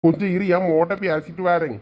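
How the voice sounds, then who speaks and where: A man playing a gentle father in a family skit. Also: a little high, steady tone, fairly quick. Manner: gentle fatherly village talk. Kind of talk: village family comedy skit.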